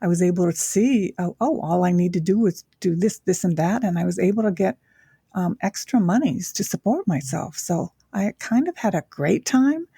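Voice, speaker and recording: Low gravelly older woman, reflective. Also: expressive, mellow, dry recording, clean studio sound. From Japan. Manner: reflective, with frequent pauses and fillers. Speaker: guest. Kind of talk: casual interview chat.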